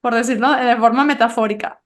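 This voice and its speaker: A high-pitched woman, hosting a podcast conversation. She tells personal stories animatedly, quoting herself and laughing along the way. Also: fairly quick. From Venezuela. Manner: warm, animated storytelling with laughs. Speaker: podcast host.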